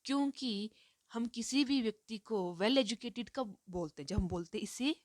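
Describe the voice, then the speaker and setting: A woman's voice: a little high, animated, moderate pace, a little mellow, no echo, clean studio sound. Woman teacher asking rhetorical questions. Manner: explains step by step with rhetorical questions. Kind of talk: Hindi lecture mixed with English terms.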